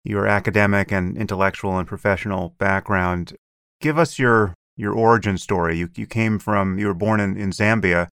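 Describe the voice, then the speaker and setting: Low voiced guy hosting a podcast, talks slow and deliberate, very dry room. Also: steady tone, fairly bright tone, clean tone, no echo. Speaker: podcast host. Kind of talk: scripted intro then interview.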